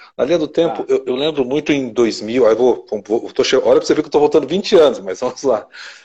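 Talking very fast, the man barely stops to pause. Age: 30s. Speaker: live stream host. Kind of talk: casual interview chat. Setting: online live stream. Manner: halting, repeats words.

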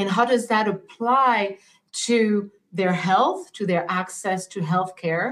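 Very slowly, a woman speaks at a medium pitch. Her pitch varies in an ordinary way. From France. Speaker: neurologist. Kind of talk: interview.

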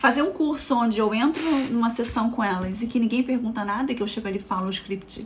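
Her voice is somewhat breathy and fairly high, with ordinary pitch variation and an animated tone from this woman. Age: 30s. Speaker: weight-loss coach. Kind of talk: live class to students.

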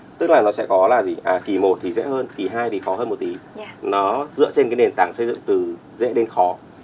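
A man talks fairly quickly as noticeable noise carries on behind him. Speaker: training director, teacher. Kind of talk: advice answers to student questions. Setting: livestream.

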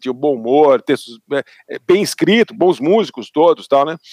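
At a fairly slow pace, a plain, everyday voice comes through with ordinary pitch variation and a dry, close sound with no echo. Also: man. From Brazil, Piracicaba (São Paulo interior). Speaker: podcast co-host, journalist. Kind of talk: casual chat.

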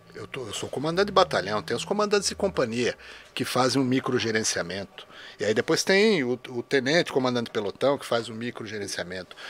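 The man speaks at a fairly quick pace with a medium pitch. Both his pitch and loudness swing widely. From Brazil, São Roque (São Paulo state). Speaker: retired military police colonel. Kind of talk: casual interview.

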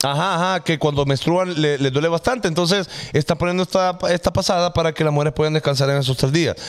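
A fairly high-pitched man talks at a very fast pace with hardly any pauses, very even loudness, and ordinary pitch variation. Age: 30s. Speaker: podcast co-host. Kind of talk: casual chat. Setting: live stream.

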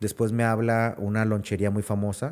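In a very clean recording with a silent background, a man speaks at a moderate pace and medium pitch with a dark, mellow tone. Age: 40s. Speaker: social media influencer and agency owner. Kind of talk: casual interview chat. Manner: informal, slangy.

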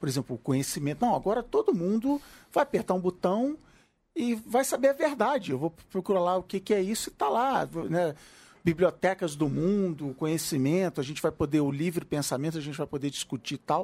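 Talking at a fairly quick pace, a man uses a high pitch with very wide swings. The sound is dry and close, with no echo. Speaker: podcast guest. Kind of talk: casual chat.

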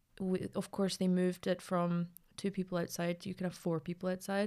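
Here is a woman with a British accent at medium pitch, speaking at a moderate pace. Her intonation is monotone and flat, on a very clean recording with a silent background. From Britain. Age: 30s. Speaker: former ski racer and gym owner. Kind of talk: casual interview.

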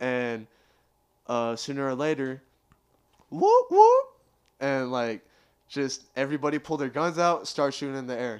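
With an American accent, a man with a fairly high voice speaks at a fairly slow pace with fairly even intonation and long, frequent pauses, in a very clean recording with a silent background. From Colton, California (Inland Empire). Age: 20s. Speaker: singer-songwriter. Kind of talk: casual interview. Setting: studio.

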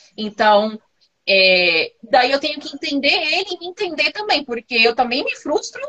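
Speaking at a fairly slow pace, a woman with a high pitch makes very wide pitch swings and big swings in loudness. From Brazil, Goiânia. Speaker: author. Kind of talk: interview on a live stream. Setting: Instagram live video call.

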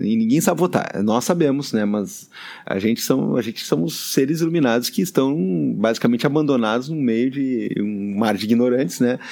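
Lively intonation carries this man's medium-pitched voice, which has a dark, mellow tone and a moderate pace. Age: 40s. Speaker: law professor and podcaster. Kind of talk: casual academic discussion.

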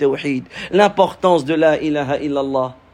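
A normal speaking voice from a man, fairly high in pitch, with ordinary pitch variation. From northern France, Roubaix/Tourcoing area. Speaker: Islamic preacher. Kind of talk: religious lecture. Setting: mosque.

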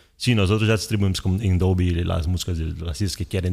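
On a very clean recording with a silent background, a man with a very deep, low pitch and a dark, mellow tone speaks at a moderate pace, sounding somewhat breathy. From Brazil. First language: Portuguese (speaking Spanish). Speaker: music distribution executive. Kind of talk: interview. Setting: studio. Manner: halting.

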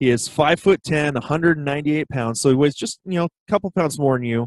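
A man with an American accent talks at a fairly slow pace and a fairly high pitch, with ordinary pitch variation. The sound is dry and close with no echo, over a quiet background. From US Pacific Northwest (Seattle area). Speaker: fantasy football podcast host. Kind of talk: interview. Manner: halting, many fillers.

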